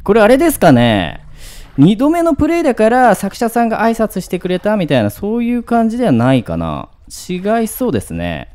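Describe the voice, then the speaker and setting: A man's voice: high voice, huge pitch swings, a little fast, a little mellow. A man giving casual horror game commentary, thinking aloud and asking himself questions. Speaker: gaming commentator.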